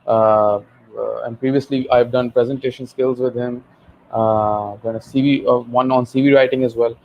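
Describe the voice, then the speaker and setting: A man's voice: mid-range voice, fairly even intonation, normal speed. Pakistani accent guy hosting an online session, explains n rephrases, kinda dull lofi call audio. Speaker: host, HR professional. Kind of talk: informal live session hosting.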